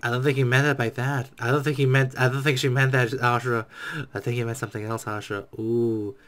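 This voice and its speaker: A young adult man giving casual, joking reaction commentary, excitably echoing lines he hears. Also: mid-range voice, fast talker, soft background music. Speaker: reaction video creator. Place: small dark room indoors.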